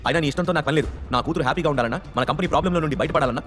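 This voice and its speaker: A haughty, scolding rich mother in an audio story, put on by a male narrator, pitched up high. She rattles off her scorn at a racing clip with big swings in her voice. Faint music plays underneath. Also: rapid-fire, fairly bright tone, in a large hall, natural voice. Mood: furious. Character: haughty angry rich mother, middle-aged woman.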